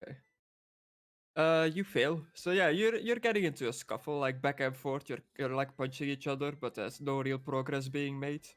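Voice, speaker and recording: A man's voice: medium pitch, moderate pace, fairly bright tone, no room sound. A man running a tabletop game as game master, narrating casually with lots of fillers and laughs.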